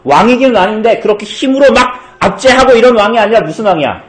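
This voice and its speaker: A male pastor giving a children's sermon, asking the kids questions and answering them in a lively way. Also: high voice, fast, reverberant. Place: church.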